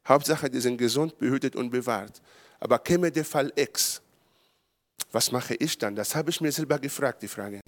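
A man from Israel, a pastor preaching a charismatic sermon in German with grammar slips, building to loud emphatic peaks. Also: mid-range voice, normal speed.

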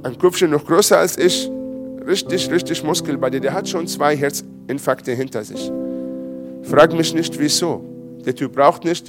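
Preaching man over soft music. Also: on the high side. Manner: conversational preaching, asks the congregation questions. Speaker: pastor. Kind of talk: sermon. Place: church service.

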